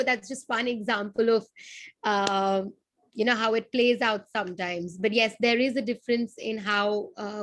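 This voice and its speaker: A woman from India, a native Hindi speaker with an Indian accent, casually sharing personal experience as a session participant. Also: on the high side.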